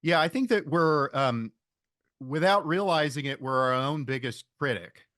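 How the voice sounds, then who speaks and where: A man giving reflective interview answers as a podcast guest, thoughtful and halting, rephrasing as he goes. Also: on the high side, a bit bright, dry recording, clean studio sound.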